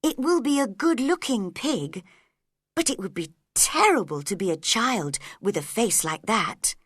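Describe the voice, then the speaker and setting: A polite, curious young girl in a storybook, played by a woman reader. Her voice lifts into questions with lively swings of pitch, slow and bright. The recording is dry and close. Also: breathy edge, dry recording, exaggerated voice.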